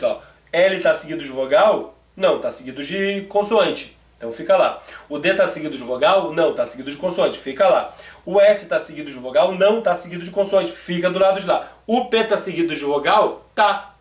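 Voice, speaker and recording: A man's voice: fairly high pitch, echoey room, far from the mic. A Brazilian Portuguese-speaking man teaching a video grammar lesson, explaining rules step by step in a chatty way and often checking in with his students.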